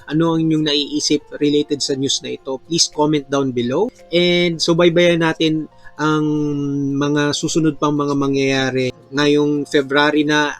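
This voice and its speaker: This is a man hosting an online news channel. His voice sits a little higher than most men's. He reads reports aloud in English and switches to friendly Taglish asides for his viewers. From Philippines. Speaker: channel host reading news. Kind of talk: news reading with Taglish commentary.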